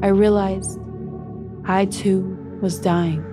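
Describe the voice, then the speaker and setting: An earnest, sorrow-touched young maize plant played by a woman tells its own story. The delivery is scripted, deliberate and emotive, in a mid-range voice with light music underneath. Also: medium pitch, fairly even intonation, close to an everyday voice. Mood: sorrowful. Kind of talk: scripted first-person story narration.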